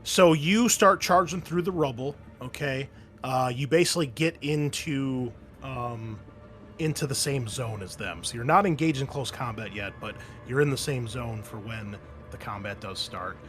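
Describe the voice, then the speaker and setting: A man narrating a tabletop game as game master, talking to his players in a halting, conversational way. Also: mid-range voice, fairly bright tone. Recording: music behind the voice. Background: background music.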